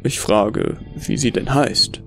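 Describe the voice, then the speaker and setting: A man reading a first-person horror story as scripted narration, in a measured, brooding storytelling manner. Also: medium pitch, faint music behind.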